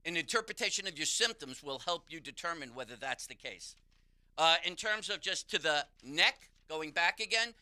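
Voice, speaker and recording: A man's voice: fairly high pitch, sharp tone. A man, a pain therapist, explaining how the body works on a call-in radio show. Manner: explanatory, instructive. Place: radio studio.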